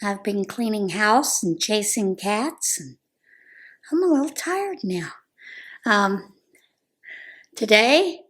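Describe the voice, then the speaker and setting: Hoarse, chatty American woman vlogger. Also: on the high side, a bit bright. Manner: chatty, rambling, with frequent ums. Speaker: crochet vlogger. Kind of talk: casual chat.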